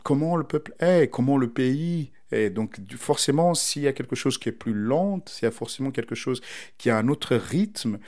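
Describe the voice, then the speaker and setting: Man, 40s, from Mozambique; interviewee, mid-pitched, reflective and searching. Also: lively intonation, moderate pace, a little mellow. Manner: thoughtful, circling back to rephrase ideas.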